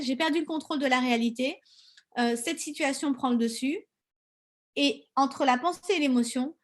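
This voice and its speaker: A woman giving a casual coaching lesson, chatty and lively, acting out little inner dialogues. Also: high-pitched. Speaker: self-confidence coach.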